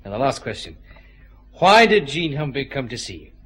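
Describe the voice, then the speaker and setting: An actor playing a firm, brisk detective chief inspector questioning people in a radio drama. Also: male voice, mid-range voice, sing-song, a bit bright. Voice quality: terse, questioning. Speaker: police detective.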